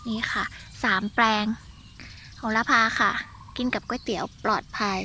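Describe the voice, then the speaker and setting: A woman's voice: fairly high pitch, pushed and bright, a little hiss or hum. A woman with an Isan accent giving a chatty walking tour of her vegetable garden, exclaiming and talking straight to her viewers.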